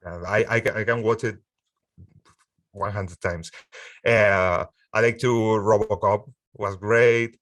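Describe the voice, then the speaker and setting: A music producer from Spain in his forties speaks English as a second language in a casual interview, halting, restarting often, and laughing easily. His voice is fairly low, steady, and a bit bright, recorded from a distance with no echo.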